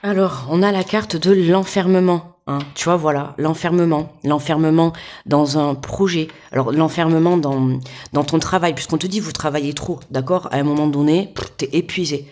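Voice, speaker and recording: A woman's voice: sits low, fairly even intonation, moderate pace, a little mellow. A woman giving a casual tarot guidance reading to the viewer in a chatty, informal way, often checking in with the listener. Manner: chatty, keeps checking in with "d'accord?" and "tu vois"; informal, speaks directly to the listener. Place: home desk.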